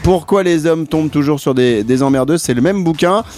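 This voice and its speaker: Jokey male radio host, slightly high voice. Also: fairly quick, a little mellow, faint music behind. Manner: jokey, loose presenter patter. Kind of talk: casual radio chat. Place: radio studio. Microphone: studio microphone.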